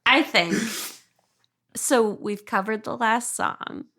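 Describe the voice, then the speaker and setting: A woman's voice: a little high, slow pace, pushed and bright. A woman co-hosting a podcast in a casual, chatty style. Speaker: podcast co-host. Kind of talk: casual chat.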